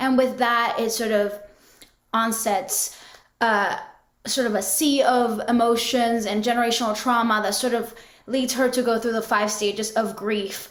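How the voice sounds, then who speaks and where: Audible room echo surrounds this recording of a woman. Her fairly high voice holds a monotone, flat intonation. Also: moderate pace. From Dominican Republic. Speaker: film writer and director. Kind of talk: interview.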